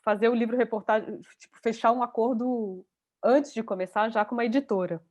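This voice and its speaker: A woman's voice: on the high side, fairly even intonation, fairly quick, darkish tone, muffled recording. A woman teaching an online journalism class over a video call, talking in a chatty way and thinking aloud. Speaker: journalism course instructor.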